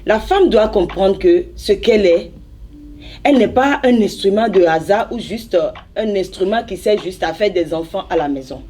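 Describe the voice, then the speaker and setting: Woman, evangelist, preachy, emphatic repetition, mid pitch. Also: expressive, normal speed, mellow, slightly rough. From Benin. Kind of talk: exhortation in a church interview.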